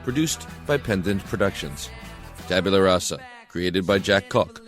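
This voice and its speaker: A man reading scripted credits as an announcer, measured and formal. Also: deep voice, lively intonation, music in the background. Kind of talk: scripted narration.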